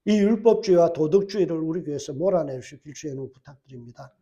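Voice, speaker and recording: A man's voice: fairly high pitch, lively intonation, fast talker, dark tone, lo-fi sound. A male pastor preaching a church sermon, putting rhetorical questions to the congregation and answering them with emphatic, repeated phrases. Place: church service.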